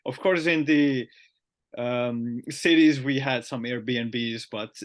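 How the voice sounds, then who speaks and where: A man with a Finnish accent, a podcast host talking casually and often pausing with fillers. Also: medium pitch, fairly even intonation. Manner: chatty, halting with frequent "uh" fillers.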